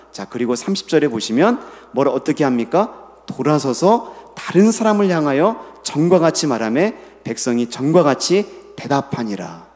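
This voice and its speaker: A man's voice: fairly high pitch, a little mellow. A middle-aged man preaching a sermon as senior pastor, leading the congregation in reading scripture and asking them questions. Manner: asks the listeners questions. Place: church sanctuary. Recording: long hall reverb.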